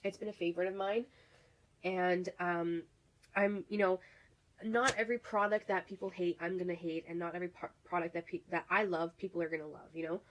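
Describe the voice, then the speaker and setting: A woman's voice: lowish voice, steady tone, fairly quick, a little hiss or hum, rough recording. A woman vlogger chatting casually through makeup reviews, full of fillers and restarts, while getting over a cold. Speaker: beauty vlogger.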